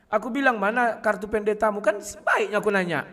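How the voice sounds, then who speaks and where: A man speaking casually to his viewers in a combative way, often clearing his throat. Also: high-pitched, a little fast, a bit bright, big-room sound. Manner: combative, addresses listeners as "kawan", frequent throat clearing. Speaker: online video host.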